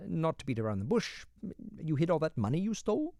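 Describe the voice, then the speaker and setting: A man putting on a cheery, long-winded prison warder, higher voice, bouncing lively pitch, sir after every phrase, dry close sound. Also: brisk, no room sound. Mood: polite. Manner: rambling, deferential, says "sir" constantly. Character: cheerful chatty male prison warder, polite.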